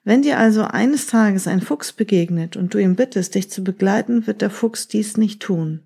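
A woman reading a children's story aloud, gently speaking straight to the child who is listening. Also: mid-range voice, normal speed, creaky, husky.

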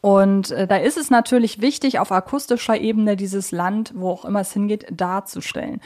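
A woman's voice: mid-range voice, normal speed, a little mellow. A woman co-hosting a casual, analytical podcast, who often searches for her words and corrects herself as she talks. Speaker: podcast co-host.

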